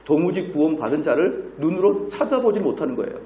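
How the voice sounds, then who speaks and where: Animated preaching man, roomy hall. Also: a little high, fairly quick, dull audio. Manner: animated and scolding, acts out quoted people; humorous asides with laughter. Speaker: pastor lecturing at a conference. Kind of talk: lecture-style sermon.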